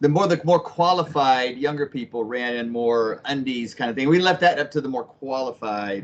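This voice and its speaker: Using an ordinary speaking voice, a man talks at a moderate pace with a fairly high pitch and lively intonation. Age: 60s. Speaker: panel guest. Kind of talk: casual chat.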